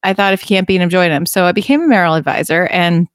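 A woman in her forties, a company founder telling her story as a podcast guest, lively and quick to laugh. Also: fairly low pitch, clean tone, no room sound, clean studio sound. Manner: lively, laughs easily, conversational. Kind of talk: interview storytelling.

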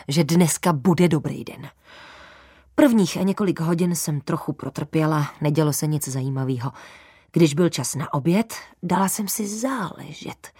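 A woman narrating a children's story in the first person as a girl, lively and playful with whispered asides. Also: low-pitched, slightly rough, dry recording, clean studio sound.

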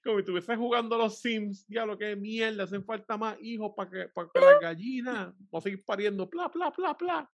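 A man's voice: high-pitched, fairly even intonation, a little fast, hardly any pauses, no room sound. A man in his thirties in casual banter, wry and profane, swearing often. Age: 30s. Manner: wry, profane, keeps saying "cabrón".

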